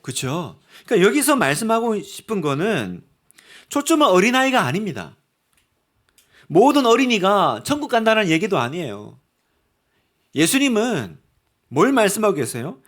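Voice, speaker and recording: High-voiced man preaching a sermon. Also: very animated, normal speed, pauses often, fairly bright tone. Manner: earnest, asks the congregation many rhetorical questions. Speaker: pastor.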